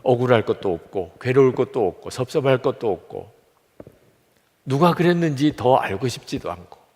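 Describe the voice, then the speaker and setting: An older man, a pastor, preaching a heartfelt sermon, his voice rising loud and dropping to a near whisper. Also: mid-range voice, animated, moderate pace. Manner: emotional testimony, swings from loud to near whisper. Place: church sanctuary. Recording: church hall reverb.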